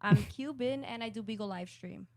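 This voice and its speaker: A woman's voice: on the high side, moderate pace, no room sound, studio quality. A young woman on a podcast panel, talking casually and swearing freely.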